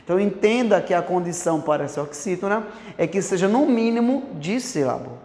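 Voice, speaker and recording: Brazilian guy giving a grammar lesson, keeps asking if you got it, boomy room with long reverb. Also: expressive, fairly quick, darkish tone. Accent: Brazilian Portuguese. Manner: didactic, constant rhetorical check-in questions. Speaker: teacher.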